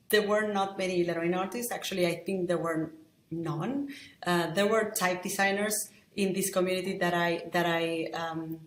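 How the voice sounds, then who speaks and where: Reflective lower-voiced woman from Argentina. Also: reverberant. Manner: reflective, many restarts and "right?" tags. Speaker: podcast host, lettering artist. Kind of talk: solo podcast monologue.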